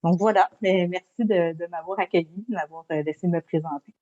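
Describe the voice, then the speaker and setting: A woman's voice: lowish voice, fairly quick, mellow, dull audio. A woman finishing her presentation, speaking with slight hesitation.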